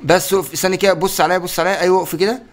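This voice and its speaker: Young man, Egyptian accent, rapid speech, excitable gaming commentary, frequent exclamations. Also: high-pitched. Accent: Egyptian Arabic. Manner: excitable, exclaims and laughs often. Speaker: gaming YouTuber. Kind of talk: excited let's-play commentary.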